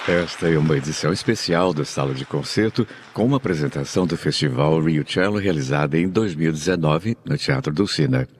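A man's voice: extremely low pitch, brisk, few pauses, a faint crowd. A man hosting a radio concert program, interviewing performers on stage in a formal, effusive announcer manner. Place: theater stage. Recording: reverberant concert hall with audience noise.

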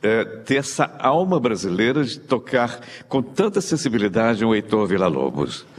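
A man's voice: on the low side, very animated, moderate pace, long reverb tail. A man hosting an interview, asking questions and offering effusive, formal praise to his guests. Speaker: host.

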